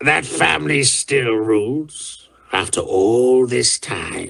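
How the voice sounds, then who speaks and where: Using a gravelly, put-on character voice, a man speaks very slowly at a medium pitch. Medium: read story. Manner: menacing.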